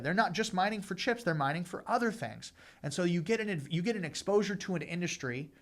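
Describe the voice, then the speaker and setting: A man's voice: fairly high pitch, a bit bright. A man hosting a finance podcast, explaining in a conversational way, repeating points for emphasis, with frequent fillers. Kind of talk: casual explainer talk.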